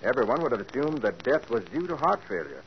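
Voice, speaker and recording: An actor playing a calm, shrewd private detective in a 1940s radio drama, reasoning steadily. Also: male voice, medium pitch, quick pace. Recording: dull old radio broadcast with faint hiss.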